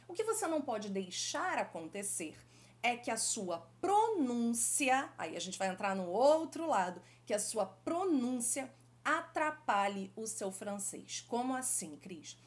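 A middle-aged woman from Brazil with a Brazilian Portuguese accent, teaching French in a video lesson and talking straight to the viewer in an affectionate, lively way. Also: on the high side, a little slow. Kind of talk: YouTube language lesson.

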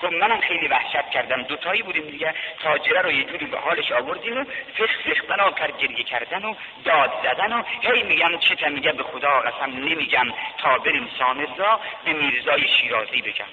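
A middle-aged man preaching a story-filled sermon in a mosque over a loudspeaker, dramatic, with loud drawn-out cries. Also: fairly high pitch, lively intonation, a little hiss or hum. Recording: echoey hall, dull archive recording.

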